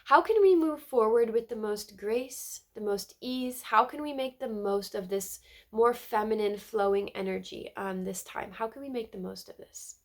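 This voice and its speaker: A spiritual tarot reader, a woman with a stuffy cold, gives an earnest yet casual card reading, frequently repeating words and tacking on "right?". Her voice is on the high side and her speed is normal.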